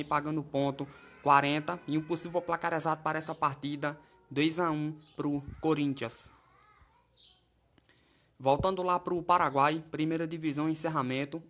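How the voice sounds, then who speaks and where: A man's voice: a little high, fairly even intonation, moderate pace, fairly bright tone. A man giving football betting tips over a screen recording in a chatty, casual way, often checking in with his listeners. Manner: chatty, keeps asking "tá certo?" and "né?". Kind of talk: casual screen-share commentary. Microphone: voice-over over a phone screen.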